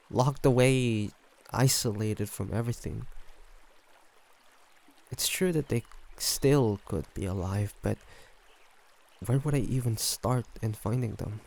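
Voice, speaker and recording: A man voicing a brooding, gentle ancient vampire in an intimate audio roleplay, speaking haltingly and pensively. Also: mid-range voice, creaky. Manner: halting, soft-spoken, pensive with sighs.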